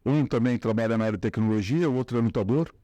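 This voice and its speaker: A middle-aged man with a Paulistano Brazilian accent talks as an interview guest, winding through his story with fillers and restarts. His voice sits in an ordinary middle pitch and sounds close and dry. The tone is relaxed and conversational. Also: quick pace, no room sound. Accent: Paulistano Brazilian Portuguese. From São Paulo, Brazil. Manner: rambling, many fillers and restarts.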